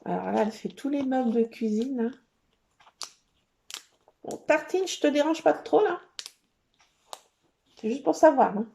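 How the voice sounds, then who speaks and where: A woman's voice: high-pitched, animated, unhurried, gravelly, pauses often, mellow, a little hiss or hum. A middle-aged woman chatting casually as she scrapbooks, teasing and cooing at her cats. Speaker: crafting vlogger. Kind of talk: casual chat while scrapbooking.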